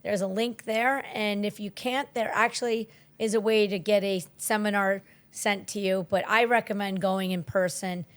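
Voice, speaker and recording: A woman speaks at a middling pitch as a talk show co-host. Her delivery is informal and conversational, like recommending something to listeners between bits of studio chat. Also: fairly even intonation, normal speed, hardly any pauses. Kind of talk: casual ad read and chat.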